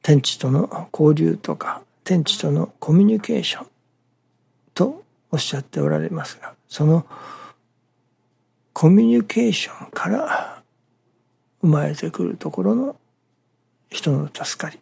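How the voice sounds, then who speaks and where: A minister giving a morning sermon in a halting, measured way, breaking phrases with pauses and dropping some words to a near-whisper. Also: medium pitch, expressive, vocal fry, warm tone, husky.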